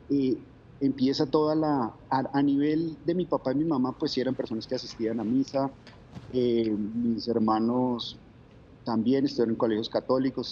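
A man from Bogotá with a Colombian accent shares his faith story as a guest in a testimony interview, reflective and peppered with fillers. His mid-range voice comes through with the highs cut off and a bit of background noise.

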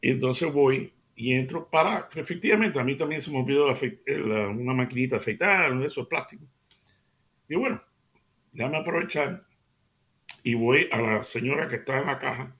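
A man's voice: medium pitch, fairly quick. A middle-aged man hosting Christian radio, telling everyday stories in a chatty way and calling his listeners family. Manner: chatty anecdotal, addresses listeners warmly as family. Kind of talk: casual radio storytelling.

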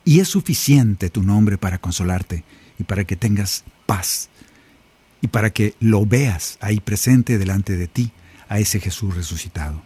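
A man's voice: lowish voice, expressive, unhurried, warm tone. A man hosting a Catholic prayer and reflection show, preaching in a colloquial way and repeating his phrases. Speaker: Catholic singer-songwriter host. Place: home recording studio.

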